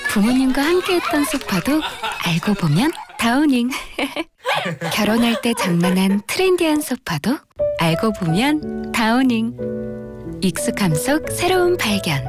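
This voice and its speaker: Woman, ad voiceover, smiling and warm, music bed. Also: on the high side, big pitch swings, measured pace. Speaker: ad narrator. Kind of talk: scripted ad voiceover.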